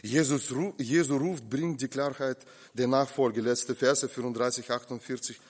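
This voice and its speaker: A man's voice: medium pitch, steady tone, moderate pace. Preaching man in an echoing hall. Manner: impassioned, swings between loud and hushed. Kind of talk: sermon. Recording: long reverb of a hall.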